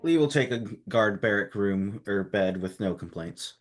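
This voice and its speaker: A man chatting casually as a player in a tabletop game, quick to joke. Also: lowish voice, expressive, faint music behind.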